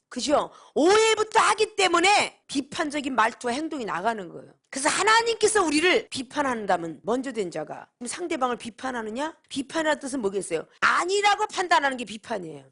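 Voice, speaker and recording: A woman's voice: high voice, a bit bright. A middle-aged woman who heads a seminary gives a preaching-style lecture, emphatic and full of rhetorical questions. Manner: emphatic, asks rhetorical questions, acts out quoted dialogue.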